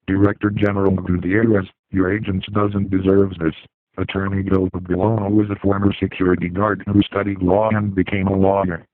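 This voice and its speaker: A man reading a scripted accusing statement as an anonymous hacker, his voice disguised and pitched down, steady and flat. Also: a little fast, dry recording. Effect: disguised, pitched-down deep voice. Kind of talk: scripted statement read aloud. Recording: dry, tinny phone-like sound.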